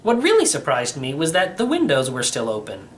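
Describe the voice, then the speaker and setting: A man's voice: mid-range voice, wildly swooping pitch, fairly quick, slight background noise. A man reading first-person story narration from a script, as an audiobook reader.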